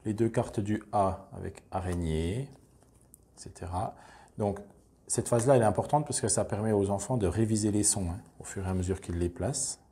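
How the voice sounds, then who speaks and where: Homme calme, voix grave et douce, qui explique pas à pas. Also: male voice, lowish voice, moderate pace. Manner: calm, step-by-step, explanatory. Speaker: teacher explaining a reading method. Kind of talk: instructional demonstration.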